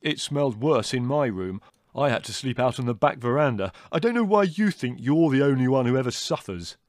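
A man's voice: on the low side, moderate pace, no room sound, studio quality, voice pushed up, natural voice. A man voicing a sour, complaining young brother with a grievance in an audiobook. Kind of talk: audiobook character dialogue.

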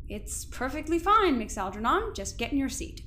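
A woman's voice: sits high, sing-song, normal speed, pushed and bright, a little hiss or hum, exaggerated voice. A woman playing a cold, imperious scientist in an audio drama, clipped, formal and impatient.

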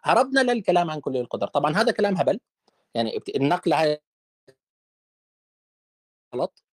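A man's voice: on the high side, slightly rough, no room sound, studio quality. A man hosting a casual online debate, firing off rhetorical questions. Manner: animated, rapid-fire rhetorical questions.

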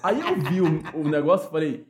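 A man's voice: a little high, big pitch swings, brisk, over a noisy crowd. A man telling a funny story in a casual chat, breaking into laughter as he goes. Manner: breaks into long laughing fits while telling stories.

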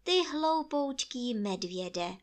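A woman voicing a kind young boy with a gentle, fond manner in a storybook reading. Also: high voice, lively intonation, voice pushed up.

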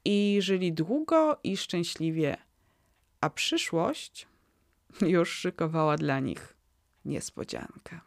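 A woman podcast host narrating a fairy tale in a calm, gentle way. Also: lowish voice, takes it slowly, gravelly, dry recording, clean studio sound.

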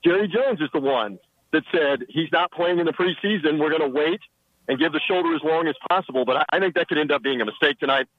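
Sideline reporter guy on a sports radio show, quick confident football talk, slightly high voice, dry close sound. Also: dry recording, narrow, tinny audio. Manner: confident, rapid-fire football breakdown. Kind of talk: radio sports analysis by phone. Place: sheltered security area outside a stadium.

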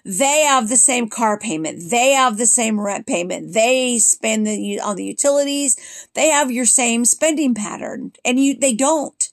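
A woman's voice: on the high side, measured pace. A middle-aged woman hosting a solo podcast, talking bluntly and with exasperation in casual chat. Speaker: podcast host.

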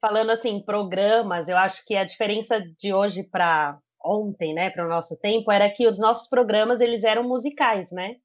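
Brief: woman co-host, mid-pitch, bubbly, laughs easily. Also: fairly even intonation, moderate pace, few pauses. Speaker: podcast co-host. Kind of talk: casual chat.

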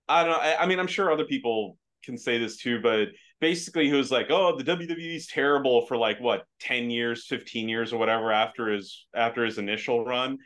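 Male podcast guest, American accent, halting casual delivery. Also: mid-range voice, a bit bright. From Afghanistan. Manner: hesitant, many fillers and restarts. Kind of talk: casual chat. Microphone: video call.

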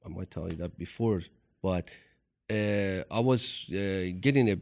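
A man's voice: low voice, creaky, darkish tone. A man with a non-native accent, telling a personal story in casual chat, with frequent restarts. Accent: non-native English. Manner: halting, with many restarts.

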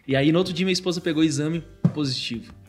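A man's voice: a little high, husky, soft background music. A young man with a Brazilian accent, telling a personal faith story in casual chat and peppering his talk with "cara". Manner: fast, fills speech with "cara". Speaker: guest. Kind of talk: casual testimony.

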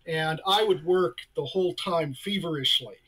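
Thoughtful man, a somewhat high voice. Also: a bit bright, breathy edge, rough recording. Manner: measured, thoughtful, with hesitations. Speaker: guest scholar. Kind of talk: interview answers.

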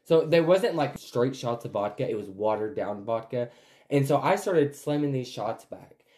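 Male podcast host, 20s, mid-range voice, casual, candid and animated storyteller. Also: mid-range voice, moderate pace. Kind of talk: casual personal chat.

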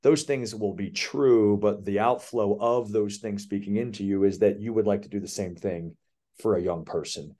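A man's voice: lowish voice, moderate pace, warm tone. A man, an athletic director, answering an interview question in a confident, explanatory way. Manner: confident, explanatory, speaks in flowing points.

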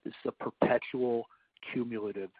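A man speaking as a company executive, giving a prepared earnings call presentation in a formal, measured, explanatory way. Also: medium pitch, steady tone, husky. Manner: measured, formal, explanatory, poses questions then answers them. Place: conference call over a phone line. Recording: tinny phone line with roomy echo.

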